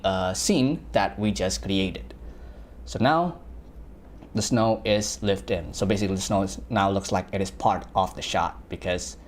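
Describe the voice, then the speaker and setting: A man's voice: on the low side, slight background noise. A young man from Indonesia teaching visual effects on a livestream, talking casually with lots of fillers and self-corrections. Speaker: VFX artist teaching a livestream. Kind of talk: live screen-share software tutorial.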